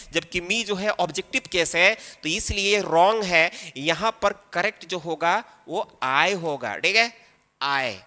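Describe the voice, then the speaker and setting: A male teacher gives a grammar lesson in a high, bright voice that swings widely in pitch. He explains each step slowly and keeps checking that his students are following. The sound carries a long, ringing reverb. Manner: explanatory, often checks in with the listener.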